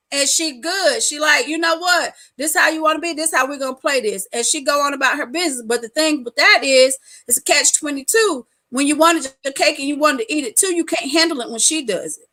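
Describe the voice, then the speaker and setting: A woman with a high, bright voice holds forth in casual chat. She tells her stories loudly and frankly, with laughter and slang all through. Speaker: live stream co-host.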